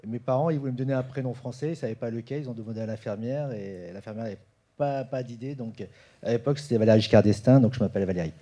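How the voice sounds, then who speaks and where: A man in his forties from France, speaking at a conference roundtable in a relaxed way, with many fillers and restarts. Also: medium pitch, fast. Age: 40s. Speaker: roundtable panelist. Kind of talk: informal conference talk. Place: conference room.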